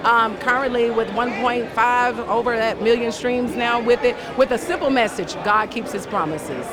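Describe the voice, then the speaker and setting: Female gospel singer, slightly high voice, earnest interview talk, very noisy crowd behind. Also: normal speed. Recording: loud crowd noise at busy event.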